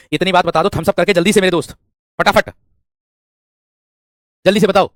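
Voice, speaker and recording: A man's voice: a little high, no echo, clean studio sound. A man teaching an exam-prep grammar lesson, asking the class questions and answering them himself, repeating key phrases. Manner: repeats phrases, often says "my friend".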